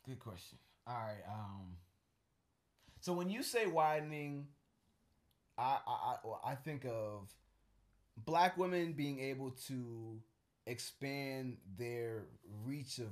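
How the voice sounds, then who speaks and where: A man's voice: medium pitch, lively intonation, slow. A man co-hosting a casual podcast chat, talking in a rambling, thoughtful way with many fillers and restarts. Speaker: co-host.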